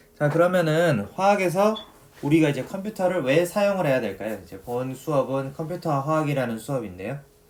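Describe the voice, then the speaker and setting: The speech moves at a fairly quick pace with very wide pitch swings. Noticeable background noise runs under it. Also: man, fairly high pitch for a man. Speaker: university professor. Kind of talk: lecture. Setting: recorded online lecture.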